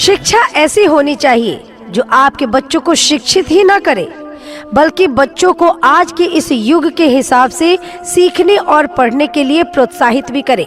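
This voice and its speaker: Music plays in the background as a woman speaks. Her voice is high-pitched, and her loudness stays very even. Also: lively intonation. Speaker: advertisement voice-over artist. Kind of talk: school radio advertisement read. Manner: persuasive, conversational promotional tone.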